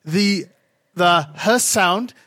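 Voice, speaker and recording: A man's voice: high-pitched, extremely slow, heavy background noise. A man co-hosting a podcast, running a quiz game in a playful, hyping way with many fillers. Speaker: podcast co-host, quiz master. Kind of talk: casual chat.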